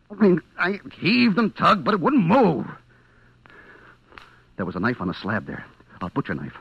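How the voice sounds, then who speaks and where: An actor playing a desperate supermarket clerk trapped in the dark, confessing in halting, stammering old-time radio suspense style on a vintage recording. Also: male voice, fairly low pitch, breathy edge, no room sound, highs cut off, exaggerated voice. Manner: breathless, halting, stammering narration with repetitions.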